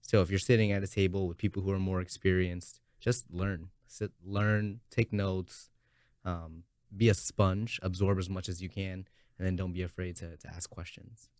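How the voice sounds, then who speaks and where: A young adult man answering interview questions in a calm, measured way. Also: low voice, dry recording, clean studio sound. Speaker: interview guest. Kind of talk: casual interview.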